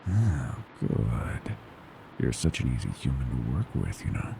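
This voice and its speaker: Horror ASMR monster: male, predatory, mockingly tender, heavy gravelly creak, swooping intonation that slips into whispers. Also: big pitch swings, background noise, heavily acted. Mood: gloating. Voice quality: very deep, gravelly creaking growl. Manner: menacing, slow and savoring, mockingly tender, slipping into whispers. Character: gleeful predatory male monster from under the bed.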